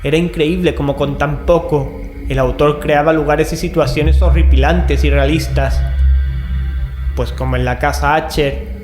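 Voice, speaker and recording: Audio drama role for a male actor: level-headed man, higher-pitched voice, reverberant room sound with music. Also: fairly even intonation, unhurried, a little mellow, lightly acted. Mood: measured, uneasy. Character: Mario, cool-headed rational man telling a horror tale. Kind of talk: dramatized audio fiction, narration and dialogue. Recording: roomy echo, music underneath.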